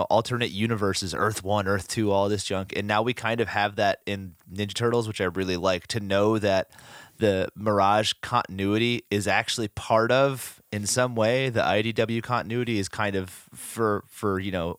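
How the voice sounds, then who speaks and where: A podcast co-host, just getting over the flu, chats casually and eagerly about comics, with plenty of fillers in his enthusiastic fan talk. His voice is fairly low, and the studio sound is clean with no room sound.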